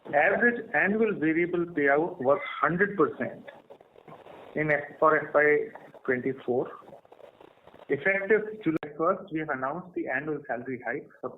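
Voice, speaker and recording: Male executive, slightly high voice, scripted earnings-call delivery, narrow phone-line sound. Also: a little slow. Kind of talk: scripted corporate earnings presentation. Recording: tinny phone line with faint noise.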